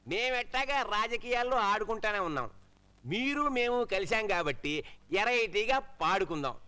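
An actor playing a vain, boastful minister who loves pomp and bosses people around, in a film comedy. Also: male voice, high voice, big pitch swings, normal speed, pushed and bright, smooth, full character voice. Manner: boastful, bossy, mocking. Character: vain showy male minister, loud and boastful.

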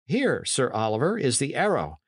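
Storybook soldier played by a male reader: blunt, unshockable, grasping, mid-pitched with lively swings. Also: moderate pace, husky, dry recording, studio quality, heavily acted. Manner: plain-spoken archaic speech.

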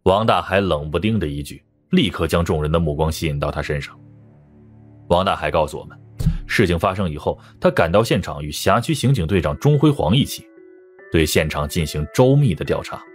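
A man with a very low voice narrates a detective novel as a scripted audiobook. His delivery is dramatic storytelling, with music playing underneath. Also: expressive, fairly quick, husky.

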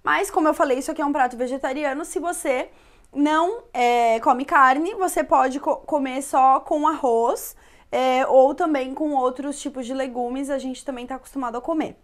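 A woman's voice: high voice, normal speed. A young woman hosting a casual home cooking show, chatty, often checking in with listeners. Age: young adult. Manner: chatty, with filler "tá?" tags. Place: home kitchen and living room, indoors.

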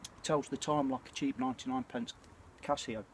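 A British man in his forties chatting casually and reflectively to camera, with a hesitant, throat-clearing delivery. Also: medium pitch, steady tone, moderate pace. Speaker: bushcraft vlogger. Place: outdoors at night by a small campfire. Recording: clear ambient noise of an outdoor campfire.

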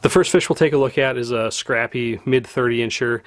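A man's voice: mid-range voice, a little fast, dry recording. A man in his thirties, a fishing channel host, narrating footage in a conversational, descriptive way into a close mic indoors.

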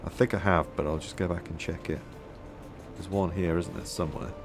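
A man musing aloud as he plays a game, his voice a little hoarse, with many fillers. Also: deep voice, fairly even intonation, fairly quick, over music. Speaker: gameplay video host. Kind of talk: casual gameplay commentary.

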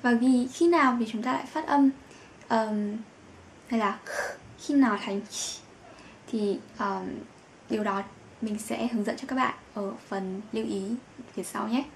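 Slow, patient woman teaching. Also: on the high side, a little hiss or hum. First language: Vietnamese. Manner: drawn-out fillers, repeats each example word twice. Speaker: German pronunciation teacher. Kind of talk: slow, patient lesson with repeated examples.

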